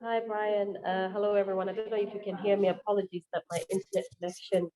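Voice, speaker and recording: A woman's voice: medium pitch, little pitch movement, quick pace, dark tone, low-quality recording. A woman giving spontaneous remarks in an online discussion, tentative and rambling, often correcting herself. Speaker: invited discussion participant. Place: online video call.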